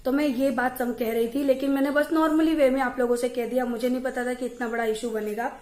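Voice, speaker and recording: A young woman vlogging from her home, chatting to camera and telling stories in a lively way. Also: high-pitched, fairly quick, roomy sound. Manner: chatty, animated storytelling. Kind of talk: casual chat to camera. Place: at home, indoors.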